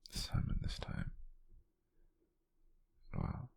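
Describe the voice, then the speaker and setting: A British man playing a gentle, doting wizard sweetheart in an intimate ASMR roleplay, speaking in a breathy, husky near-whisper with a tender, hesitant, teasing manner. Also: extremely slow. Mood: tender, shy.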